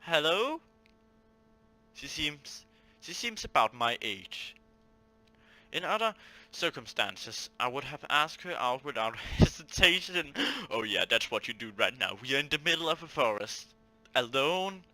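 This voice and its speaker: A man hosting a let's play, reading a visual novel aloud and breaking off into animated, jokey asides. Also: medium pitch, measured pace, low-quality recording.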